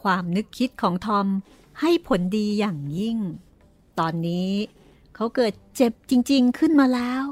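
A woman narrating an audiobook in a measured storytelling manner. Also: on the high side, soft background music.

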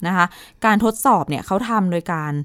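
A woman co-host telling a science news story in a relaxed, chatty radio conversation, with playful asides. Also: brisk, no echo. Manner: chatty, explains with playful asides and pitch swoops.

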